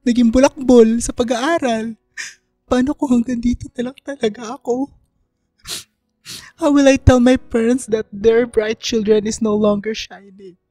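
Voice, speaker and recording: Woman playing a soft-toned, insecure young gay student. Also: a little high, fairly even intonation, unhurried, no room sound, soft background music. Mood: anguished, self-pitying. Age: young adult. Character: tipsy, insecure young gay student, self-doubting and giggly. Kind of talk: radio drama dialogue.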